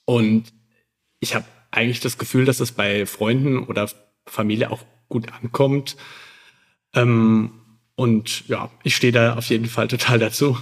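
A man's voice: medium pitch, fairly even intonation, a little slow. A man chatting casually as a guest on a podcast. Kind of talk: casual chat.

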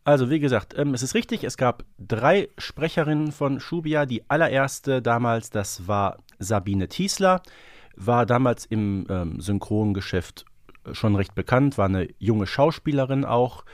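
Male podcast co-host, medium pitch, casual expert talk, dry close-mic recording. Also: lively intonation, unhurried, no room sound.

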